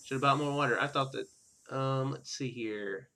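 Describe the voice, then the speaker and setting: Speaking at a moderate pace, this Let's Play host has a mid-range voice that sounds pushed and bright, with vocal fry. He keeps things casual, mixing chatter with reading story text aloud, hesitant and rambling as he corrects himself along the way.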